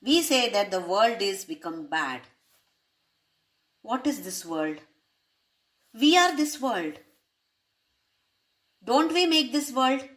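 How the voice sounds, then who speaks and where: Slow, measured woman teaching scripture. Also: on the high side, sing-song, fairly bright tone. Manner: asks rhetorical questions to listeners; uses Sanskrit terms. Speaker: spiritual teacher. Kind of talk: explaining a spiritual text.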